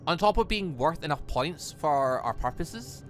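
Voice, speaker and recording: A man voicing a composed academy professor in a visual novel, with a measured, formal way of speaking. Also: a little high, lively intonation, faint music behind. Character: composed academy professor briefing students on a mission.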